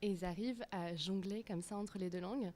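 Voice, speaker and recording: A woman who hosts a podcast reads a scripted introduction and asks calm interview questions. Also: medium pitch, fairly quick. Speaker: podcast host. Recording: dry close studio sound.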